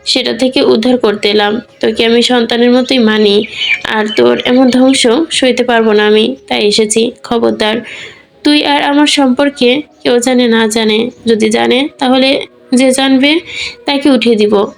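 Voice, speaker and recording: Woman reading a hushed, threatening older woman in an audio story, a touch high. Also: steady tone, moderate pace, creaky, soft background music.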